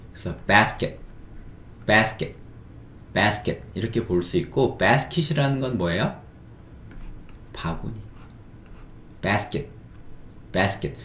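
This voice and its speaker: Casting note: middle-aged male teacher, slow and patient, lively pitch, phonics drills in a roomy space. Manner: slow, patient drilling with repeated words and question-and-answer. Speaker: English teacher. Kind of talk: online English phonics lesson. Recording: roomy echo.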